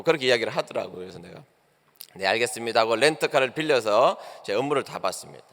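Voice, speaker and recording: A man's voice: medium pitch, fairly bright tone. A male pastor preaching a sermon, telling a personal story and acting out both sides of a phone call. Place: church sanctuary. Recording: long church hall reverb.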